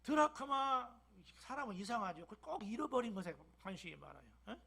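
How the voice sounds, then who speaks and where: Older male pastor, Jeolla dialect, high and gravelly, emphatic sermon delivery with whispered asides. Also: big pitch swings, fast talker. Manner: emphatic preaching with sudden loud bursts and soft whispered drops. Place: church sanctuary.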